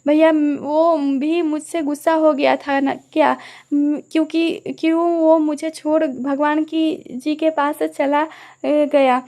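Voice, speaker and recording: A woman's voice: high-pitched, flat delivery, moderate pace, darkish tone. A woman narrator voicing a fragile, grieving young woman who speaks in a sobbing, pleading way. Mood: tearful pleading.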